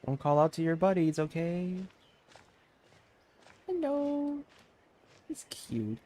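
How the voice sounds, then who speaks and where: Low-pitched, lively woman streamer. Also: slow pace. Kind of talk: casual gameplay commentary.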